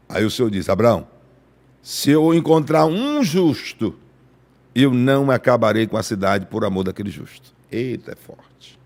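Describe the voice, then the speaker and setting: A man from Brazil preaching a prophetic sermon on a live stream, fervent, dropping to hushed tones and rising to booming cries. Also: vocal fry.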